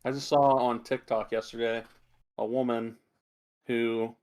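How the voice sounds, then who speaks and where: A man co-hosting a podcast in casual chat, speaking in an informal, halting, offhand way. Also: medium pitch, flat delivery, a little mellow, smooth. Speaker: podcast co-host.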